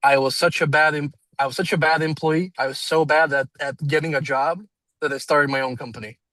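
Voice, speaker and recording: A man's voice: a little high, fairly even intonation, fairly quick, bright, forceful tone, dry recording. Young man, non-native English accent, dry sound. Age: 20s. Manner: rambling, self-deprecating, with laughs and fillers. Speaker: salesman and business owner. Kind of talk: casual conversation, storytelling. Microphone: video call.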